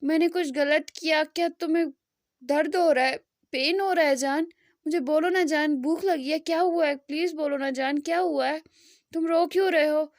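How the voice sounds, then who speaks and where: A woman reads the part of a caring young man whose high, clear voice leans gently into pleading questions. He coaxes and soothes with soft insistence, told storybook-style in a dry, close recording. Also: moderate pace, dry recording. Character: worried tender young man soothing his partner.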